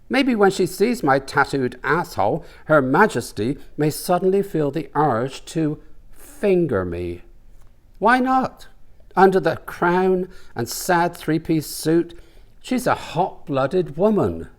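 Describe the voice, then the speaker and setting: A man's voice: on the high side, sing-song, slow pace, pitched above the performer's own voice. A man voicing an indignant, humiliated gay man in a comic novel, exasperated, sarcastic and melodramatic. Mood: sarcastic outrage.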